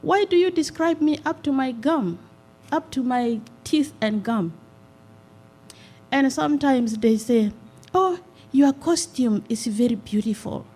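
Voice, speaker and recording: A middle-aged woman from South Sudan, speaking at a town hall meeting on a handheld mic. She talks in an earnest, measured way, with many "uh" pauses. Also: high-pitched, expressive, dark tone, slightly rough. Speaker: community nonprofit representative. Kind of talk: town hall public comment. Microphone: handheld microphone.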